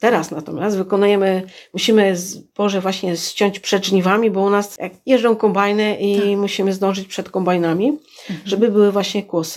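At a moderate pace, a woman speaks in an unremarkable speaking voice with medium pitch. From Poland, Szubin (Pałuki, Kuyavia-Pomerania). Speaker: folk artist and craft teacher. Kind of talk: interview.

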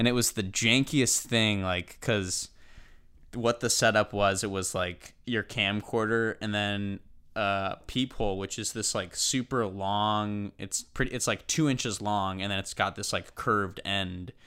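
An American-accented man talks at a fairly slow pace with a fairly low pitch and fairly even intonation. His tone is bright and sharp, in a very clean recording over a silent background. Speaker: video editor. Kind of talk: casual chat.

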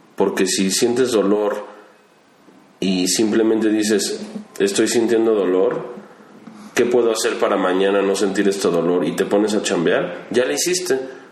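A man with a Mexican accent at a fairly slow pace, ordinary pitch variation, noticeable background noise and audible room echo. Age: 40s. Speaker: entrepreneur. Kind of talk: casual chat.

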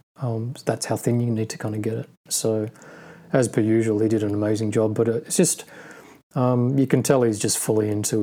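A man with an Australian accent, dark and mellow in tone, at a fairly quick pace. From Sydney, Australia. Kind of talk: casual chat. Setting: video call. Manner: laid-back, filler words.

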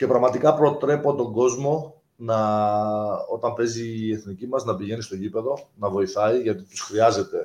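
A man's normal speaking voice at a medium pitch, fairly slow, with ordinary pitch variation. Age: 40s. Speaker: basketball player. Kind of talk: casual chat.

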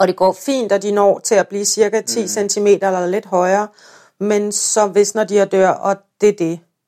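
Her dark, mellow voice moves at a fairly slow pace in a monotone, flat delivery. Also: medium pitch for a woman. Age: 30s. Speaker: urban gardener and author. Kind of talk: casual chat. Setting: home kitchen.

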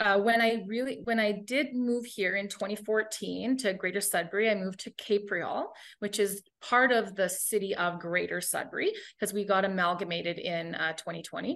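A woman with an Ontario accent against a quiet background. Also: medium pitch for a woman, ordinary pitch variation, moderate pace. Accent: Canadian (Ontario). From northern Ontario, Canada. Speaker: city councillor. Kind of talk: interview. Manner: halting.

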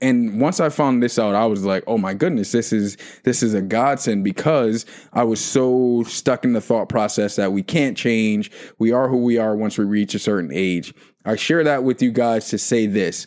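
In a normal speaking voice, the speaker goes at a moderate pace with ordinary pitch variation and very even loudness, on a very clean recording with a silent background. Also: man, medium pitch for a man. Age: 30s. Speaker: life and relationship coach. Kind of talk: podcast monologue.

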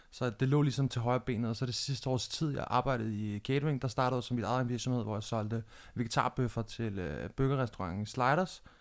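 In a very clean recording with a silent background, a man uses a plain, everyday voice at medium pitch, with ordinary pitch variation, a fairly quick pace and hardly any pauses. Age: 20s. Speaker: product developer. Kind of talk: interview.

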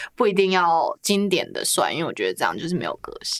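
A woman talks at a fairly quick clip in an ordinary speaking voice, her pitch medium. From New Zealand and Taiwan. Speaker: journalist and media founder. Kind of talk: casual chat.

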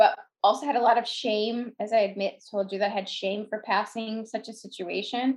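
Speaking at a fairly quick pace, a woman has an unremarkable speaking voice with ordinary pitch variation. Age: 40s. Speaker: yoga teacher. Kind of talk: casual interview.

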